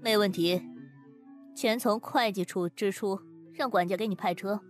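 A woman's voice: mid-range voice, normal speed, soft background music, natural voice. A woman voicing an imperious, impatient, exacting young lady of the house in an audiobook. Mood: businesslike.

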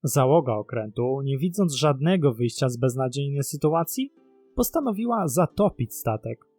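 A man's voice: mid-range voice, very animated, normal speed, dark tone, slightly rough, soft background music. A man narrating a scripted documentary about mysteries in a dramatic storytelling manner. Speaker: narrator of a mystery web series.

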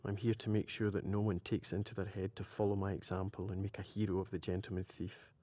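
An actor playing a vain, haughty gentleman thief in a radio play, wry and mocking. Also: deep voice, flat delivery, fast talker. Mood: scornful. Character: vain, defiant gentleman thief awaiting execution.

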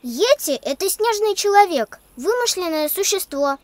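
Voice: very high voice, very animated, normal speed, no echo. A child voicing a caring, helpful pupil in a children's cartoon. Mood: helpful, concerned.

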